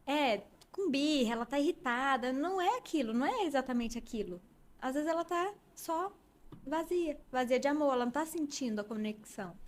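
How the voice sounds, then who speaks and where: A woman's voice: sits high, expressive, fairly quick. A Brazilian woman, a guest on a casual podcast, talking in a reflective, storytelling way.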